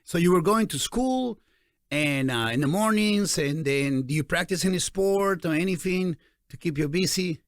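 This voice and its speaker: A man in his forties with a Peruvian Spanish accent, hosting a casual interview in an animated, encouraging way. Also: high voice, normal speed, no echo, studio quality. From Peru. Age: 40s. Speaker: interview host.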